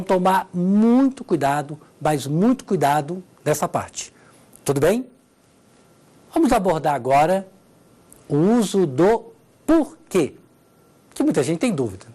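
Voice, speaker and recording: A woman with a Brazilian Portuguese accent gives a televised Portuguese grammar lesson, stepping through examples and checking in with her audience. Her voice is medium in pitch with a darkish tone.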